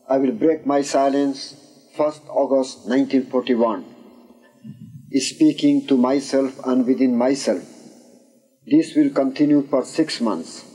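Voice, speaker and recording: Older Persian-born man, husky and mellow. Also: medium pitch, poor audio. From Iran. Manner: animated storyteller, voice rising in quoted speech, gesturing. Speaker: interviewee. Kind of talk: storytelling oral history. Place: dim room indoors. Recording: old VHS tape.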